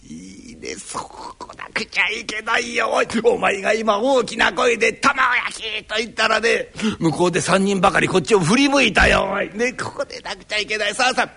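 A man's voice: high voice, normal speed, gravelly, few pauses, slightly rough, exaggerated voice. A man voicing a bossy, jovial landlord in a live rakugo storytelling, with an old Tokyo downtown accent, coaxing and scolding. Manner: coaxing, scolding, lively shifts of voice. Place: live performance hall.

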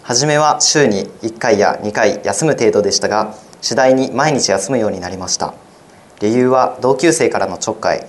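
High school boy reading his own essay on air; plain, steady delivery at an ordinary pitch. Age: teens. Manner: plain, even-paced reading. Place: radio studio.

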